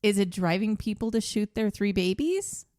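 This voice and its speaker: A woman's voice: mid-range voice, expressive, moderate pace, darkish tone, no room sound, studio quality. A woman co-hosting a podcast in casual chat, candid and rambling, laughing often. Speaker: podcast co-host.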